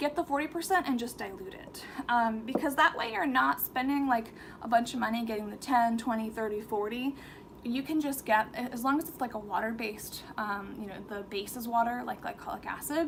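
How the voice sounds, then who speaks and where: Against noticeable background noise, a woman talks at a fairly quick pace in a fairly high pitch, with ordinary pitch variation and big swings in loudness. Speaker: skincare YouTuber. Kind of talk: livestream product review. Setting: YouTube live stream at home. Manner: casual, with fillers and restarts.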